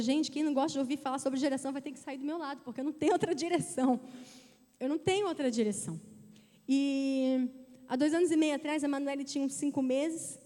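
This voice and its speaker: A woman in her thirties giving a testimony in a sermon, telling her story in a lively way and speaking directly to the church. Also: high-pitched. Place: church sanctuary. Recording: church hall reverb.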